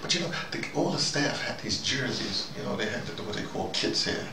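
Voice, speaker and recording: A man's voice: mid-range voice, lively intonation, brisk, creaky. An older man giving a rambling, conversational monologue to camera, digressing and putting questions to himself as he muses. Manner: digressive, musing, often asks himself questions. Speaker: video diarist delivering an opinion monologue. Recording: roomy, distant mic, noisy ambient background.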